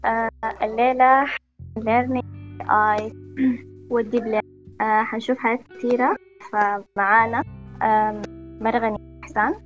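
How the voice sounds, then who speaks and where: A woman host, talking briskly over an online call on a bad connection that keeps cutting out. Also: a little high, steady tone, faint music behind. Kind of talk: online panel hosting. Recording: dull lo-fi call audio.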